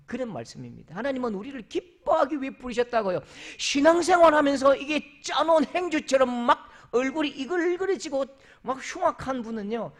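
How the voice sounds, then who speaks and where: A man from South Korea delivers a church sermon with a high, lively voice that leaps up and down in pitch. He is animated and playful, slipping into other people's voices to make his point. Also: a little fast. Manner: animated, acts out quoted voices with big pitch jumps. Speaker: pastor. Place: church sanctuary.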